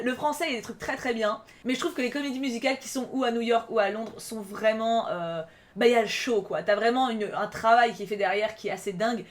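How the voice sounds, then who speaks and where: A young woman vlogging casually, enthusiastic and rambling, with many fillers and restarts. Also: fairly high pitch. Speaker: YouTuber. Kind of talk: casual vlog countdown.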